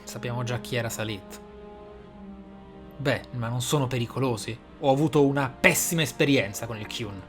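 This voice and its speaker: Man, gaming streamer, exclamatory commentary, mid-pitched, prominent game music. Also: a little fast, fairly bright tone. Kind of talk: gameplay commentary.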